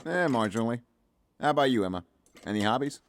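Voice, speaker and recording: A man's voice: mid-range voice, expressive, fast, a little hiss or hum, lightly acted. An actor playing a good-natured, protective middle-aged father in an audio drama. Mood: wry, playful.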